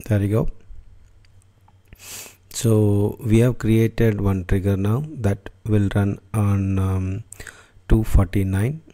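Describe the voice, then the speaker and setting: Low, mellow-voiced male tech tutor. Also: fairly even intonation, slow, long pauses. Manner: unscripted, frequent fillers and restarts. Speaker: tutorial host. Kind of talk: screen-recorded software tutorial.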